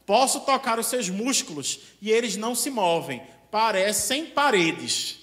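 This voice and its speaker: A man voicing a blind old wise man who declares slowly what he feels. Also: high-pitched, lively intonation, a bit bright. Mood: declaring.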